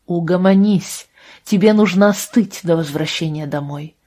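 A calm young man, voiced by a woman reader, speaking low and softly. He stays restrained and firm, never raising his voice. The tone is dark and a little husky. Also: moderate pace, natural voice.

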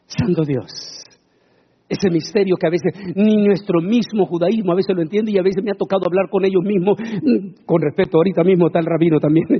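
A man preaching a sermon, dramatic and swinging into shouted proclamations. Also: sits high, slightly rough, highs cut off.

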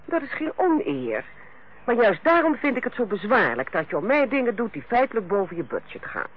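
Radio drama role: strict, fussy ward sister, high animated delivery, husky edge, dull old recording. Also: female voice, a little fast. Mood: stern, proud. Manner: bossy, precise, matter-of-fact. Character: strict, fussy senior hospital nurse, Carla, on holiday. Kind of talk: old Dutch radio play acting.

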